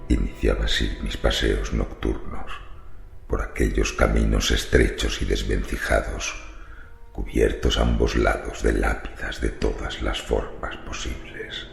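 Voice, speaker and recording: A man's voice: little pitch movement, measured pace, heavily acted. A man playing a macabre, brooding cemetery wanderer who confides morbid secrets in a theatrical horror radio monologue. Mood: brooding, eerie. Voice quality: very deep, gravelly creaking voice. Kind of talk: dramatic first-person horror radio monologue. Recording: roomy reverberant voice over music. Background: faint music.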